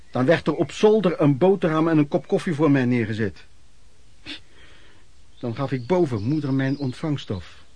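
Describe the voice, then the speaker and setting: An actor plays an embittered working-class man in a radio drama. His voice sits a little high. He tells of his wretched youth in plain, emotional, colloquial speech, often repeating himself. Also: a little mellow, dry recording, close to an everyday voice. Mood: pained, brooding. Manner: colloquial, emotional storytelling with repetitions. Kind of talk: Dutch radio play narration, reminiscing monologue.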